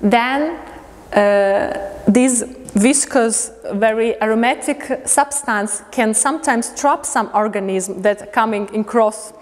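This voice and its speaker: Woman lecturing in a reverberant hall. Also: fairly high pitch. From Riga, Latvia. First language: not English. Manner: halting, pausing to find words. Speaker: artist giving a lecture. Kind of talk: prepared lecture in non-native English. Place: indoor museum lecture space.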